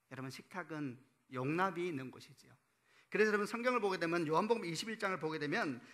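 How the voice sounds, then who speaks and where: A middle-aged male pastor delivers a sermon in a church, his voice bright and slightly higher than most men's. He talks to the congregation in an easy storytelling way, posing questions and laughing at his own anecdotes. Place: church sanctuary.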